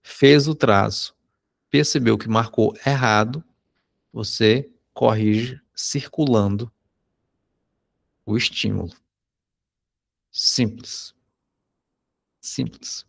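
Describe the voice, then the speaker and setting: Gravelly low-voiced Brazilian man teaching. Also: slow pace, pauses often. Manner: conversational, frequent tag questions. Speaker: psychology teacher. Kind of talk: anecdote told in a recorded lesson.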